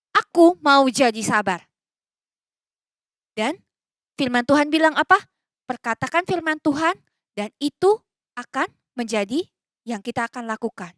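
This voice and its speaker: A woman giving a children's sermon, animated and coaxing with questions, mixing in English phrases. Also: a little high, no room sound. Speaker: children's church teacher. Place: church recording.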